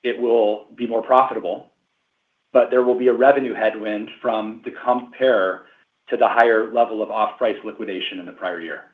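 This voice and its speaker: A low-voiced man, a finance executive, walks analysts through results in a steady, explanatory way, with fillers. His voice sounds roomy and thin, like an echoey phone line. He speaks on a conference call. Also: normal speed. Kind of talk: earnings call answers.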